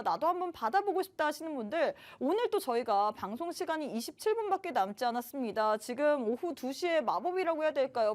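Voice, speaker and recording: A woman hosting a live stock show in a chatty, promotional way, urging viewers directly to join in. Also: high voice. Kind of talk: promotional live broadcast presenting.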